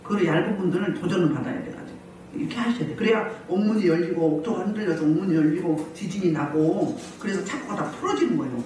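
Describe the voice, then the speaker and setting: A woman pastor preaching a healing service sermon, animated, often putting questions to the congregation and laughing as she goes. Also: lowish voice, quick pace, a little hiss or hum. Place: church hall. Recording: very echoey hall, mic at a distance.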